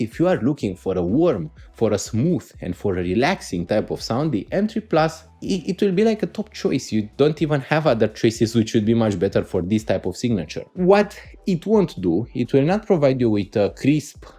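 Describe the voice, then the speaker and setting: A man's voice: mid-range voice, dark tone. A man with a Romanian accent giving a casual spoken gear review as a reviewer, explaining things emphatically and enthusiastically.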